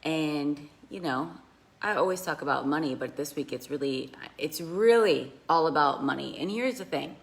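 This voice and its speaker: Slightly raspy woman coaching on a live video. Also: deep voice, lively intonation, normal speed. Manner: earnest, coaching, asks listeners questions. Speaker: money mindset coach. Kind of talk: casual live video talk. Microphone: phone held in hand.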